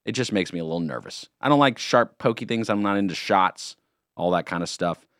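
A man hosting a morning radio show, chatting in a jokey, rambling, animated way in a studio. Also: fairly low pitch, brisk, no echo. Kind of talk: casual morning radio banter. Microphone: studio microphone.

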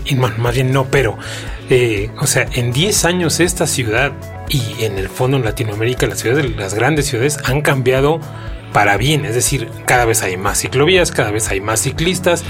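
A man's voice: medium pitch, lively intonation, moderate pace, music in the background. A man hosting a podcast, reading an introduction and then chatting in an upbeat way. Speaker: podcast host. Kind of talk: scripted introduction and casual conversation.

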